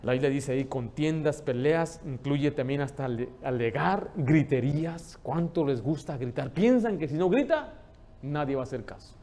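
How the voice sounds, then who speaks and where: A man, preaching a lively sermon in a church and telling stories with humor. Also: on the high side, moderate pace. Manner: lively storytelling, joking with the congregation. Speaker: pastor.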